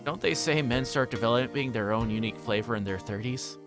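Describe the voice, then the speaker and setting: A man's voice: mid-range voice, fairly quick, lightly acted. A man voicing a teasing, breezy teenage schoolgirl from a visual novel, with music behind him.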